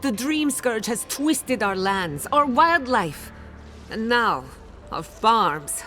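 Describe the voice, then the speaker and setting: Impassioned, defiant woman scholar, very animated. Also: a little high, slow, a little hiss or hum, exaggerated voice. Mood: indignant. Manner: impassioned, dramatic, pointed. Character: passionate, defiant female animancer fighting for her blighted land. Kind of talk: video game character acting.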